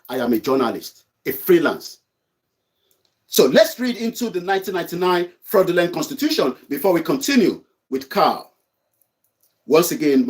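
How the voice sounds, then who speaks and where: Emphatic high-voiced man. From Nigeria. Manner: emphatic, preachy, repeats points. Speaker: online news host. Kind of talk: reading and commenting on an article.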